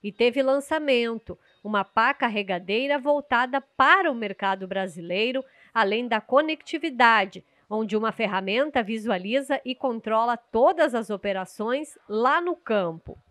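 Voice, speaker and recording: A young adult woman reporting the news from outdoors at an agricultural fair, speaking into a handheld mic in a measured, scripted way. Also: on the high side, expressive, fairly bright tone, no room sound. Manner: measured, clear reporting delivery.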